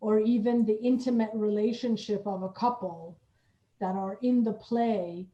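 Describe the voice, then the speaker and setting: A woman's voice: mid-range voice, fairly even intonation, unhurried. A woman hosting a conversational interview, heard muffled and echoey from a distance. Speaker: interview host.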